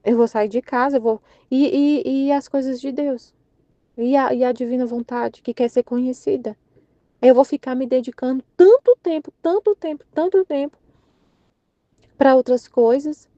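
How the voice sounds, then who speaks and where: A woman's voice: sits high, steady tone, moderate pace, mellow, no room sound. Earnest Brazilian woman, rambling testimony. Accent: Brazilian Portuguese. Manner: rambling, many restarts and fillers, earnest. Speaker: Catholic channel member sharing reflection. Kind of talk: casual spoken testimony. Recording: dry, slightly muffled recording.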